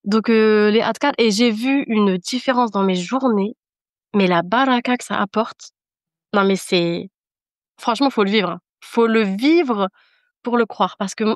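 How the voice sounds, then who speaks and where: Higher-voiced, earnest woman giving personal testimony. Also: normal speed, dry recording, studio quality. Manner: earnest and emphatic, repeating phrases for emphasis. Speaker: podcast guest. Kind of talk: personal testimony in casual conversation.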